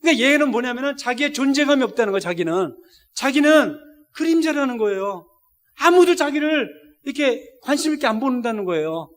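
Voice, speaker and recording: Very high-voiced middle-aged preacher man. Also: lively intonation, fairly quick, fairly bright tone. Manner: emotional storytelling, directly addressing the congregation. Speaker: missionary preacher. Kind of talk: sermon. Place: church service.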